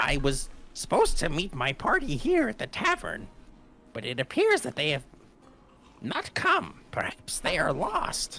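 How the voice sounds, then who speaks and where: A put-on character voice moves at a moderate pace, broken by long, frequent pauses. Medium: actual play. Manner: formal, prim.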